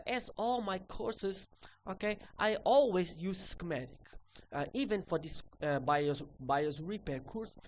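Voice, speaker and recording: A woman whose first language is Portuguese, teaching a recorded repair lesson in halting English and ending most sentences with "okay?". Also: fairly low pitch, slight background noise.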